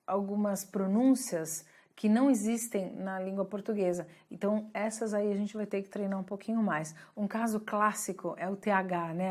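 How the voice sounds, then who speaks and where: A woman's voice: mid-range voice, a little mellow. A woman from Brazil in her thirties giving an English lesson, explaining patiently and checking in with the viewers often. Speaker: English teacher.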